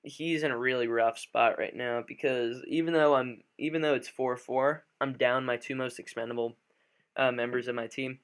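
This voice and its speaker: A man with a slightly raspy, just-woken-up voice, talking through a game live with many fillers and restarts. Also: medium pitch, fairly even intonation, normal speed, a bit bright. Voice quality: a little raspy. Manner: thinks aloud with frequent fillers and restarts. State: just woke up. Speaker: gaming commentator. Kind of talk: live gameplay commentary.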